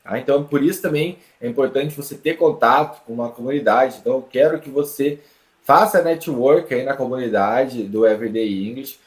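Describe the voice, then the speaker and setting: A Brazilian man teaches an online lesson with a voice of middling pitch. His delivery is lively and explanatory, full of quick checks on the listener. The room around him gives a clear echo. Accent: Brazilian Portuguese. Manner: lively, explanatory, with frequent tag questions. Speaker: English teacher.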